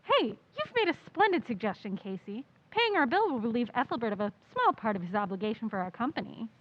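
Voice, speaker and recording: A woman's voice: fairly high pitch, big pitch swings, a little fast, highs cut off. A woman playing a teasing newspaper colleague with dry, mock-formal banter, in old-time radio style. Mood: wry, playful.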